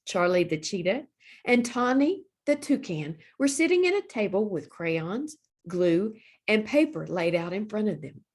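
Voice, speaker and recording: A woman reading aloud for young children as a librarian, with deliberate, expressive phrasing. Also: mid-range voice.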